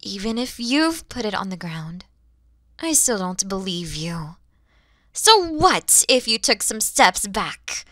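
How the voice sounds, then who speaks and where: Bright-voiced, menacing motherly dragon woman, acted by a woman. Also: medium pitch, big pitch swings, takes it slowly, no echo, clean studio sound. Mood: suspicious, stern. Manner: theatrical, menacing, with drops into whispers. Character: proud, wary, motherly female dragon guarding her egg. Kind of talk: ASMR audio roleplay acting.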